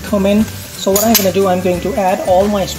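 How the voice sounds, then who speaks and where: A woman speaks while music plays clearly in the background. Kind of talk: cooking tutorial. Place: kitchen.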